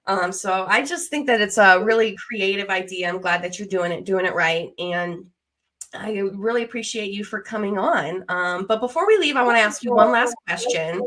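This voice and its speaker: Female podcast host, mid-pitched, conversational and supportive, informal interview delivery. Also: animated, moderate pace, a bit bright. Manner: encouraging, supportive. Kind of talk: casual interview chat.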